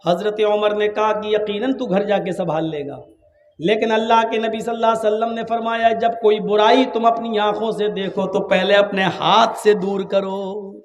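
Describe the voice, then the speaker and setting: Male preacher, high-pitched and dramatic, long hall reverb; quiet asides that burst into shouts. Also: flat delivery. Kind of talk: Urdu sermon with acted storytelling.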